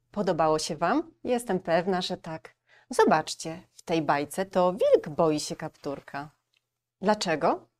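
A woman librarian reading a storybook aloud and speaking gently and directly to young children. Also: fairly low pitch.

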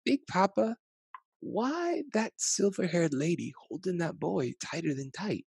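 A worried little storybook grandson, acted by a man, asks plaintive, curious questions. The voice is lifted higher, soft and a little husky. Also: lively intonation, measured pace, no echo, studio quality, full character voice.

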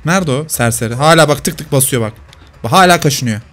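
A man's voice: on the high side, animated, fast, fairly bright tone, soft background music. A man commenting live on his own gameplay, teasing the players he hunts.

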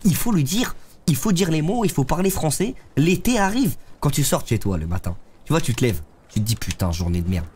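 Congested from a head cold, a young adult streamer talks to his chat while playing, his slightly high voice sing-song, a bit fast, and a little mellow. He sits in a gaming chair in his streaming room, keeping things slangy and loose over a faint hiss or hum.

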